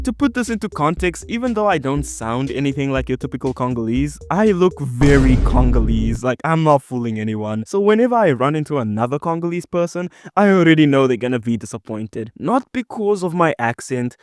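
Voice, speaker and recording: A young man from South Africa with a white South African accent, telling a storytime in a joking, animated way with big swings in pitch and loudness. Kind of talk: storytime narration.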